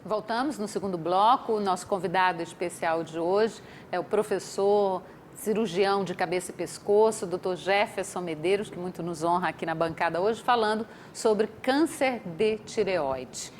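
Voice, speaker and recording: A woman hosting a TV interview show. She asks questions in a lively, chatty way and sums up the popular myths she has heard. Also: medium pitch, normal speed, a little hiss or hum. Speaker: TV interview host. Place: TV studio desk.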